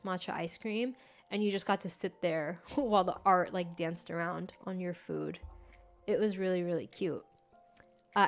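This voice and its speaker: A young woman whose first language is Farsi, chatting casually and giggling often as she hosts a stream. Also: mid-range voice. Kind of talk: casual live-stream chat.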